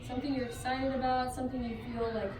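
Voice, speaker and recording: A young woman speaks quickly in an encouraging teacher's manner to small children. She is recorded from a distance in a roomy classroom, with clear noise around her. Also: sits high, little pitch movement. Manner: encouraging, echoes the children's answers. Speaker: student teacher leading a class. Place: elementary school classroom.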